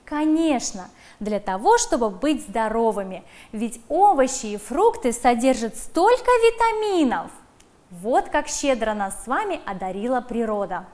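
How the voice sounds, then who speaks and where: A woman leads a primary school class on television, talking straight to the children. Her voice sits high and moves through a wide, animated range. She slows right down to sound out dictation words with clear emphasis. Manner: addresses children directly.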